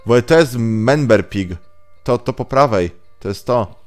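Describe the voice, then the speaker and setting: A man's voice: medium pitch, measured pace. A man hosting a let's play with casual, muttering, sweary gameplay commentary, slipping into English at times. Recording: game music behind.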